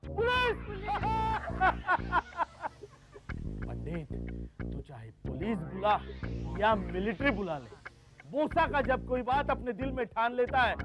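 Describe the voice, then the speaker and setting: A man's voice: sits high, wildly swooping pitch, measured pace, heavily acted. An actor playing a boastful, menacing male gangster villain in a TV drama, gloating and threatening. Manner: gloating, threatening, mocking laughs. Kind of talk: TV drama acting. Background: background music.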